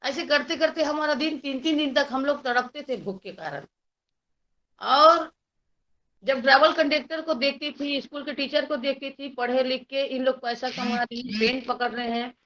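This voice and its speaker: A woman with a Chhattisgarhi accent tells her life story as a guest speaker, her voice sitting high. She speaks earnestly and from the heart, acting out the voices of the people she quotes. The recording is dull and lo-fi. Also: moderate pace, fairly bright tone. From Chhattisgarh, India. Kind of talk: personal life story talk.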